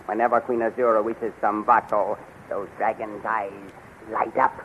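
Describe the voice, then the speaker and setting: An actor playing a domineering, impatient palace general barking orders in a 1930s radio serial. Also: male voice, on the low side, level tone, normal speed, a bit bright, close to an everyday voice. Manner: commanding, impatient. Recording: muffled, noisy 1930s radio recording.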